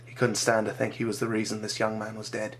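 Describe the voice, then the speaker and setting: A man reading his own dramatic short story aloud, measured and slowing for grim moments. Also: lowish voice, monotone, slight background noise.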